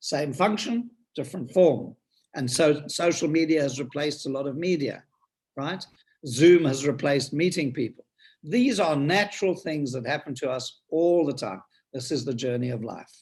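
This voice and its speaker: Moderate-paced talk from a man, somewhat breathy and with ordinary pitch variation. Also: fairly high pitch for a man. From Kenya. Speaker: business school professor. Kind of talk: interview.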